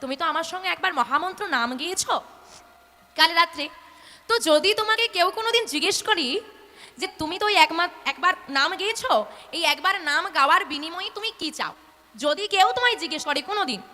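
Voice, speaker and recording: A woman voicing a gentle old male holy man in a told story, speaking softly and coaxingly in a Bengali accent. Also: extremely high pitch, animated, quick pace, heavily acted. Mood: pleading.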